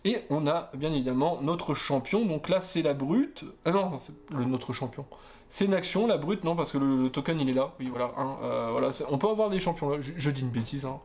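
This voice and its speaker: Hesitant higher-voiced man opening cards. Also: lively intonation, fairly quick, darkish tone. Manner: hesitant, many fillers and self-corrections; stumbles over English card names. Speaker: card opening host. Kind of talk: casual booster unboxing chat.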